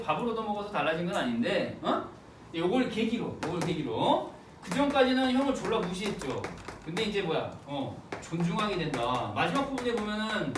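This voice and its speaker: A Korean literature teacher giving an exam prep lecture, colloquial, repeating phrases and quizzing the students. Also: medium pitch. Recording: roomy, distant mic, faint noise.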